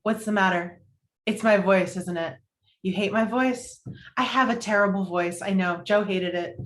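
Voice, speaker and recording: A woman's voice: mid-range voice, normal speed, fairly bright tone, natural voice. A woman playing a sensitive, fussy single woman in a romantic comedy table read, speaking hesitantly and conversationally. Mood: insecure.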